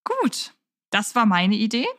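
A woman's voice: fairly high pitch, huge pitch swings, slow pace, fairly bright tone, dry recording, clean studio sound. A woman hosting a casual fan podcast, talking in an enthusiastic, chatty way. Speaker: podcast host.

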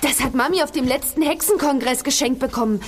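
A woman playing a curious, chatty young witch girl in a children's audio drama, with expressive reactions. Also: high voice, fast talker, close to an everyday voice. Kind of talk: children's radio play acting.

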